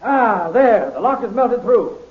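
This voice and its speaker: An actor playing a heroic space adventurer in a 1930s radio serial, with a commanding, clipped manner. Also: male voice, high-pitched, lively intonation, a little slow. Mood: confident, friendly. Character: bold heroic male space adventurer from Earth. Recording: muffled, noisy 1930s radio recording.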